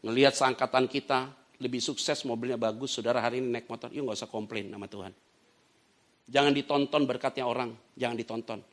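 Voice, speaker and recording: A man's voice: mid-range voice, fairly quick. A man preaching a sermon, telling stories and acting out the voices of the people in them. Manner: lively storytelling preacher who acts out dialogue. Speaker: pastor. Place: church.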